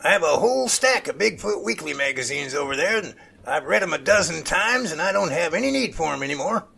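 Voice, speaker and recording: An actor playing an enthusiastic, bookish professor in an audio drama, eager and folksy. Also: male voice, on the high side, animated, brisk, gravelly, sharp tone, breathy edge, heavily acted. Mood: eager, nostalgic.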